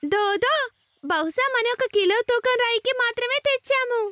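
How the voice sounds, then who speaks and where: A woman's voice: very high-pitched, expressive, moderate pace. A woman playing a cheerful, friendly female customer in a children's cartoon, with exaggerated sing-song delivery. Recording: music under the voice.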